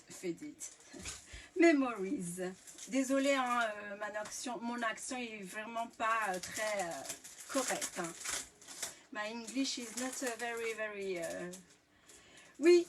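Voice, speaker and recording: A French woman hosting a live scrapbooking tutorial, talking casually with many fillers and restarts as she shows her materials. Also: fairly high pitch. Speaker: scrapbooking workshop host. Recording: distant mic, faint background hiss.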